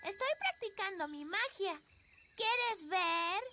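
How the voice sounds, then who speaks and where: A woman voicing a sweet, eager little fairy princess in a children's cartoon, with a childlike, expressive delivery. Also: extremely high pitch, slow, full character voice. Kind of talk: children's cartoon dub in Spanish. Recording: music behind the voice.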